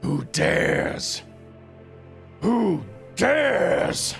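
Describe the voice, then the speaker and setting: Man doing a booming dragon voice echoing across a cove. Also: sing-song, very slow, vocal fry, soft background music, heavily acted. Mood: menacing. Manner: loud, raised challenge. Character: angry territorial dragon guarding its hoard. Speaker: game master.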